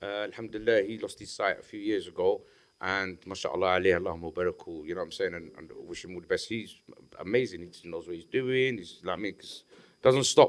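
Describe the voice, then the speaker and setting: A man speaks at a very fast pace. His loudness swings in big ways. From UK, British-born of Moroccan heritage. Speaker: podcast host. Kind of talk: casual chat. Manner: animated. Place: studio. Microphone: studio mic.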